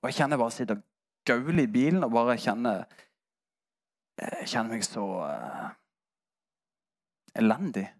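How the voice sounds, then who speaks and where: A man's voice: mid-range voice, lively intonation, pauses often. A man, a pastor preaching a sermon and telling a personal story with candid, self-mocking humor. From Norway.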